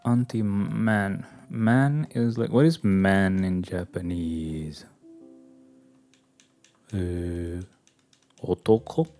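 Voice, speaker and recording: A man's voice: sits low, very slow, pauses often, warm tone, soft background music. A man streaming a game, chatting casually and muttering and swearing at what happens on screen. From Albania. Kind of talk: casual gameplay chat.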